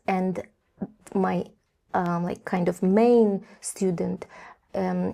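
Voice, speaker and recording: Gravelly-voiced woman, halting speech. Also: mid-range voice, warm tone. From Latvia. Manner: hesitant, many ums and restarts. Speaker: theatre director and educator, interview guest. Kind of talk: casual interview talk.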